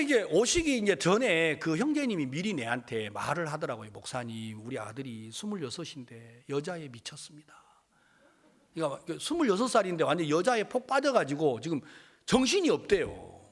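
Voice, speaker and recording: A middle-aged man preaching a storytelling sermon, acting out the people in his story with big jumps in his voice. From South Korea. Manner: animated, acts out quoted voices with big pitch jumps. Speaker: pastor.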